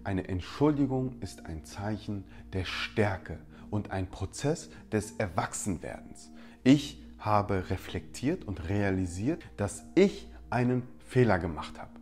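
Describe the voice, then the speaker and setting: Guy with a lowish voice doing a how-to talk straight at the viewer, faint music behind. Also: very animated, slow, a little mellow. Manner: addresses viewers directly, acts out example apologies in quotes. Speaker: presenter of rhetoric tips.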